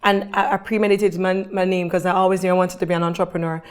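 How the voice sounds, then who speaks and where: A woman's voice: lowish voice, level tone, fast talker, smooth. A woman being interviewed who tells her story in an earnest, faith-filled way. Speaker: guest. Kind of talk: conversational interview.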